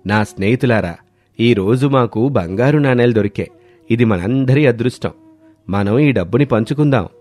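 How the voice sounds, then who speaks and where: A man acts out an earnest villager from a storybook moral tale. He speaks deliberately, like someone teaching a lesson, at a middling pitch. Music plays behind him. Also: darkish tone, natural voice. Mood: earnest, advising. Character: villagers in a moral tale: greedy farmer and wise elder. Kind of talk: acted dialogue in a Telugu moral story.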